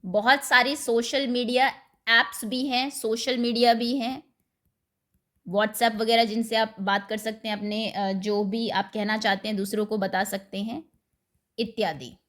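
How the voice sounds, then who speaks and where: A woman teacher walks young pupils through a worksheet, sounding out answers word by word. Her voice sits a little high, and she speaks very slowly and patiently. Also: little pitch movement, fairly bright tone. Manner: slow, patient, dictates words one at a time. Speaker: school teacher. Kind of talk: explaining a Hindi worksheet to primary pupils.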